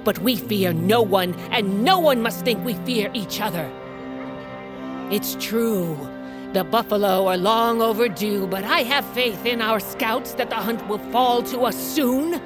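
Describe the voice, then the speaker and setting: A commanding tribal queen, played by a woman, stern and rallying in a fantasy audio drama. Her voice sits slightly high, with clear music playing underneath. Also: unhurried, close to an everyday voice. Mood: rousing. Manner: authoritative, rallying speeches. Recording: music bed behind voice.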